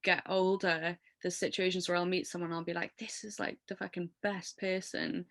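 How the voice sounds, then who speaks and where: Musician guest, woman, 30s, English accent, low smoky voice, chatty and quick to laugh, dry close sound. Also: creaky, no echo. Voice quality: low voice from years of smoking. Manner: animated, laughs often, lots of fillers. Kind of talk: casual interview chat.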